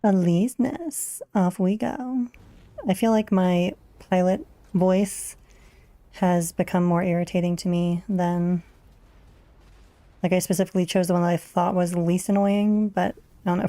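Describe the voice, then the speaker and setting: A woman's voice: on the low side, flat delivery, moderate pace, creaky, warm tone, no echo. A young woman streaming a game, thinking aloud in a wry, musing way as she plays. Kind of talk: casual gameplay commentary.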